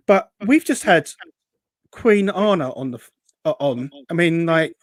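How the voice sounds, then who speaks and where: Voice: medium pitch, lively intonation, unhurried, no echo. A host chatting casually on a live show, rambling and hesitant, reading out comments in an upbeat way. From Essex, England.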